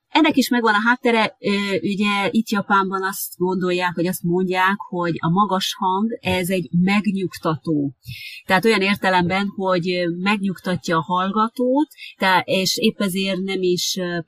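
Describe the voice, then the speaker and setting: An interviewer in a relaxed conversation who talks thoughtfully, with frequent filler sounds and restarts. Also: mid-range voice, dry recording. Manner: hesitant, many filler sounds. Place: lives in Japan.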